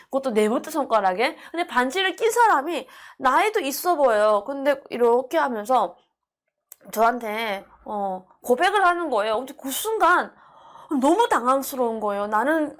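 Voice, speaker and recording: A woman's voice: high voice, animated, normal speed. A woman from North Korea telling her defection story in an earnest, emotional monologue with many fillers.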